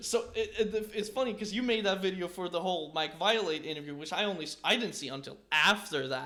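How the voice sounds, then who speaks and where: Over noticeable background noise, a man with a slight Swedish accent speaks in a raised, projected voice at a fairly quick pace with lively intonation. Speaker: YouTuber interviewer. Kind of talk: casual interview.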